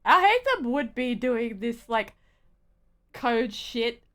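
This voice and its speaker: A young woman giving casual live game commentary, rambling and halting, with slangy phrasing. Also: fairly high pitch, lively intonation, a bit bright. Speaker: game streamer.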